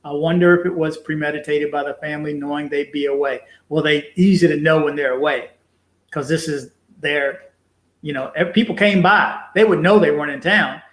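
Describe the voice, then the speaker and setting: A man's voice: on the high side, steady tone, brisk. Chatty man on a live stream, echoey room. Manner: chatty, repeats himself for emphasis, many fillers. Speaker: livestream host reading viewer chat. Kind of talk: casual live chat.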